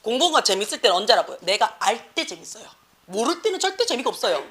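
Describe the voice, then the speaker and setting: Brisk, high-voiced Gyeongsang teacher scolding. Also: female voice. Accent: Gyeongsang Korean. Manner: blunt, animated, slangy, scolding. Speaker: academy teacher. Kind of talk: classroom lecture and scolding.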